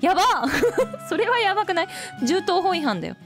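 A woman giving chatty, casual commentary while playing a game, reacting quickly between reading lines. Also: extremely high pitch, sing-song, soft background music. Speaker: let's play host.

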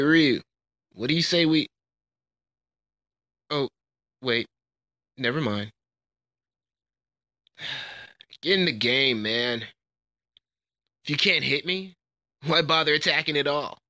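A brash young fighting-game hero, acted out by a man, with a bright, forceful edge. He delivers his lines slowly, with a taunting swagger, and the sound is close and dry. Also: medium pitch, no echo. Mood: smug, teasing. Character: cocky, brash young male martial arts fighter. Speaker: amateur voice actor. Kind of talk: character voice demo, video game fighter lines.

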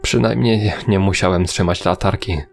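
Very deep, gravelly male narrator. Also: steady tone, moderate pace. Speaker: horror story narrator. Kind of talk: scripted first-person narration.

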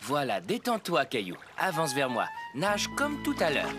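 Kind cartoon dad, gentle n reassuring, really animated pitch, music behind. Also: male voice, moderate pace. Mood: reassuring, proud. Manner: gentle, reassuring, clearly articulated. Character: patient, encouraging young father of a little boy. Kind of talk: French children's cartoon dubbing.

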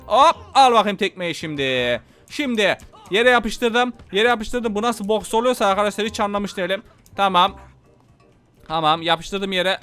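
Rowdy high-voiced gaming host. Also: male voice, sharp tone, clear, resonant tone. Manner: rowdy, joking, talks to viewers. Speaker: gameplay video host. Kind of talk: excited gaming commentary.

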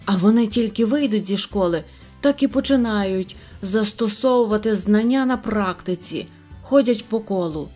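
A woman's voice: medium pitch, a little mellow, slightly rough. A woman voicing a fussy, grumbling male stationmaster who lectures in a slightly raised voice.

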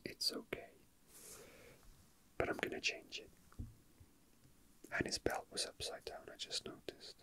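Whispering ASMR man, breathy and bright. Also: measured pace, long pauses. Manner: hesitant, musing to himself. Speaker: ASMR host. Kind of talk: whispered ASMR, casual rambling while handling a figurine.

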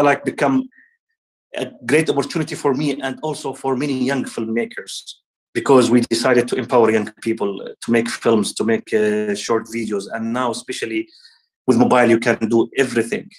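A man in his thirties from Palestine gives earnest remarks on a video call. His voice sits at a middling pitch, and his speech is halting, full of restarts. He gestures as he speaks, from an office. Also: poor audio. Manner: gestures with hands while talking. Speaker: guest speaker. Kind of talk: online ceremony remarks.

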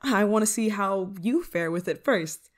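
A woman's voice: mid-range voice, lively intonation, a little slow, close to an everyday voice. A woman playing an eager, affectionate, scatterbrained novice witch in an ASMR roleplay, coaxing the listener in a giggly manner. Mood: chatty, flustered. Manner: giggly, coaxing, hesitant asides. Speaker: roleplay voice performer.

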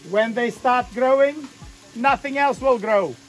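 An older man guiding a walk outdoors, explaining plants and sights in halting, playful English. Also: very high voice, faint music behind. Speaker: tour guide. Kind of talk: guided walk commentary. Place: outdoors on a mountain path.

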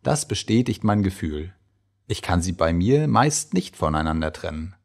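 Gravelly low-voiced man reading aloud. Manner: measured, expressive literary reading. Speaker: reader. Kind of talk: expressive reading of letters and diary entries.

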